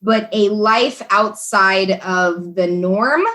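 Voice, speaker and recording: A woman's voice: medium pitch, takes it slowly, bright, forceful tone. Woman, podcast guest, earnest and chatty storyteller, mid-range voice. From Texas, USA. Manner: earnest and chatty, many "like" and "you know" fillers. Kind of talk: telling her life story in a casual interview.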